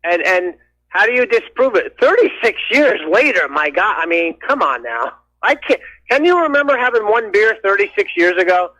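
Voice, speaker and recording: A man's voice: sits high, very animated, normal speed, sharp tone, no echo. A man calling in over the phone to a talk radio show, talking in an indignant, rambling way full of restarts. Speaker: caller. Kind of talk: call-in radio chat. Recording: muffled phone line.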